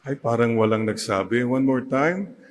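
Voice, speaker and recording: A man's voice: medium pitch, lively intonation, normal speed, rough recording. A man with a Filipino accent, a Catholic priest giving a sermon in church, mixing two languages and leading the congregation in spoken responses. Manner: mixes Tagalog and English, leads the congregation in call-and-response.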